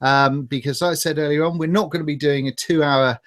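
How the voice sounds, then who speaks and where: A man's voice: on the high side, steady tone, fairly quick. A man with a British accent hosting a livestream in a chatty, casual, sweary way. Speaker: livestream host. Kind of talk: casual chat, reading viewer comments.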